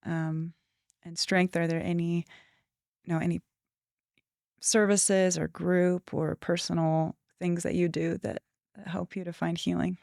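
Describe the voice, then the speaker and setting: A woman hosting a podcast, asking gentle, rambling questions. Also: on the low side, flat delivery, a little slow, gravelly, no room sound, studio quality. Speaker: podcast host. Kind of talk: interview questions.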